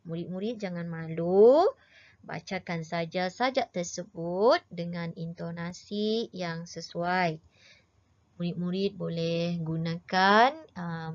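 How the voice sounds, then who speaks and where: A woman teaching a primary school class with a Malaysian Malay accent, slow, patient and encouraging, reciting poems with dramatic intonation. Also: on the low side. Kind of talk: online lesson. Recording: dry, dull lo-fi audio.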